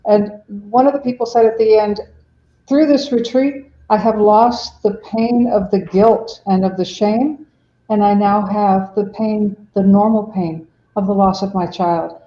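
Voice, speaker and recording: Woman guest, raised in Mexico, earnest and explanatory, mellow timbre, echoey lo-fi remote line. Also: medium pitch, steady tone, measured pace. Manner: earnest, explanatory, acts out quotes. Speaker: ministry director, guest. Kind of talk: podcast interview. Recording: dull, roomy remote audio.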